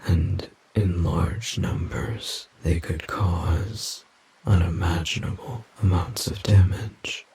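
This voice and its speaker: A man playing an ancient, solemn forest demon guardian in an audio roleplay, speaking formally and gravely in a gravelly, breathy, husky whisper. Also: low-pitched, steady tone, darkish tone, exaggerated voice. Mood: somber, resolute. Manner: slow, formal, grave, measured.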